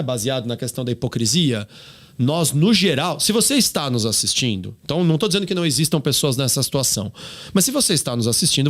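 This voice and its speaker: A man with a Brazilian Portuguese accent, speaking emphatically as a guest on a podcast and asking rhetorical questions. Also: medium pitch. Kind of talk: podcast discussion.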